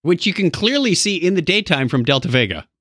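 A man with a fairly high voice that swings widely in pitch talks animatedly about films, stumbling over his words and tossing in jokey asides. The sound is dry and close. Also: very animated, brisk, fairly bright tone, breathy edge, dry recording. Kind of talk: casual film discussion.

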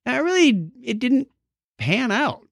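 A man in a casual film discussion, animated and joking, who stammers and restarts his sentences. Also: very high-pitched, slow, gravelly, no room sound, studio quality.

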